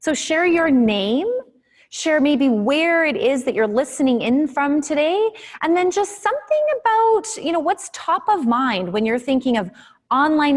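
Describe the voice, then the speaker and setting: Speech moves along fairly slowly. Its pitch rises and falls over a very wide range. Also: woman. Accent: Canadian. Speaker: panel facilitator. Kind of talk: online conference presentation. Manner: halting, many fillers.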